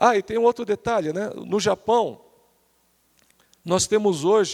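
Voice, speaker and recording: A man's high voice, with ordinary pitch variation, comes at a fairly slow pace in a dry, close sound with no echo. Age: 60s. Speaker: conference speaker on pensions. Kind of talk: lecture.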